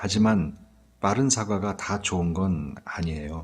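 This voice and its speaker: A man's very deep, low voice, calm in tone, at a very slow pace. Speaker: audiobook narrator. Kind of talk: audiobook reading of an essay.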